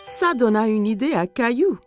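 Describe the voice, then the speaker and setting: A woman narrating a children's cartoon as a scripted story, telling it clearly in simple sentences. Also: on the high side, animated, moderate pace, faint music behind, natural voice.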